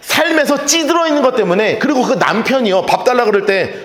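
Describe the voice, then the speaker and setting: A man preaching a sermon in a reverberant church hall, his voice sitting high and swinging widely as he plays out little scenes. He jokes with the congregation between points. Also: fast talker. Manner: animated, acts out quoted speech; humorous asides to the congregation. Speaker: pastor. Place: church sanctuary.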